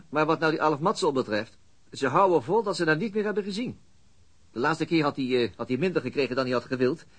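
Tired radio drama detective, husky voice, matter-of-fact, talks kinda quick. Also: male voice, a little high, a bit bright. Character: weary methodical male police detective, middle-aged. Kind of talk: radio drama acting in Dutch.

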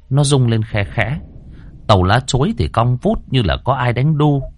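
A man narrating a ghost story in a dramatic, expressive reading. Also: fairly low pitch.

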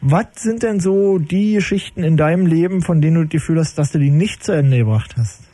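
A man's voice: fairly high pitch, brisk, warm tone. A man hosting a late-night call-in radio show from the studio, chatting with callers in a dry, ironic, teasing way.

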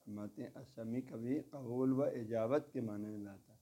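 A man's voice: mid-range voice, mellow, breathy edge. A man giving a religious lecture who explains word meanings step by step, repeats each gloss and often adds a short "haan ji". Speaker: religious teacher. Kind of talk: lecture explaining a devotional text.

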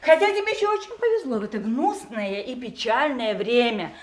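An actress playing a bitter, mocking grown daughter in a Russian radio play, with a sarcastic, theatrical delivery. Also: female voice, a little high, animated, a little fast, close to an everyday voice. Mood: angry contempt.

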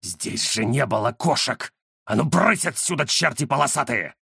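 A man voicing a menacing black-cloaked ghost in an audiobook, with a hoarse, low, sepulchral voice and slow, drawn-out threats. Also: big pitch swings, bright, forceful tone, dry recording, clean studio sound, full character voice. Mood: furious.

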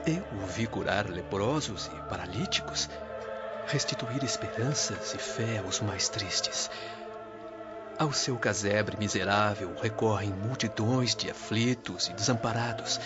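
Man playing a low-voiced, devout Christian sage. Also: lightly acted. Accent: Brazilian. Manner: oratorical, reverent, unhurried. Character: gentle, devout early Christian sage and preacher, male. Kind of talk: dramatic radio soap acting. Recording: dull lo-fi radio drama recording. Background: loud dramatic music.

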